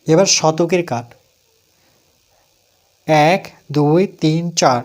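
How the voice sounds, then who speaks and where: A man with a fairly high voice and a West Bengal Bengali accent talks students through a place-value lesson. He counts each item aloud in a patient, steady rhythm. He keeps asking the class questions and then answers them himself. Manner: counts aloud slowly, asks and answers his own questions. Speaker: math teacher. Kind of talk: step-by-step math lesson.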